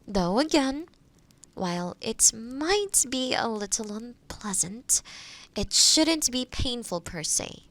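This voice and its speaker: A woman performs a kind forest witch in a fantasy audio roleplay. Her voice sits fairly high and moves with a lively melody. She explains things slowly and gently, reassuring whoever is listening. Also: full character voice. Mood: reassuring, explanatory.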